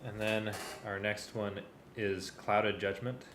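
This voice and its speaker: A man's voice: lowish voice, flat delivery, takes it slowly, roomy sound, background noise. A man in casual working chat about arranging, hesitant and often trailing off. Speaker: music collaborator.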